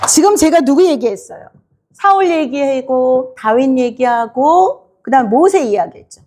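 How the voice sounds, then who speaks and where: Lively high-voiced woman preaching a sermon. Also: moderate pace. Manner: lively, quizzes the congregation, acts out the people she describes. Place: church sanctuary.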